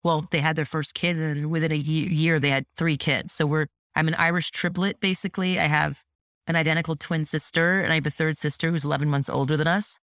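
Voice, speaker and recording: A French-Canadian woman, whose first language is French, chats as an entrepreneur guest on a casual podcast, animated and full of "like" and "you know." Her voice is low and fairly quick, recorded with studio quality and no room sound.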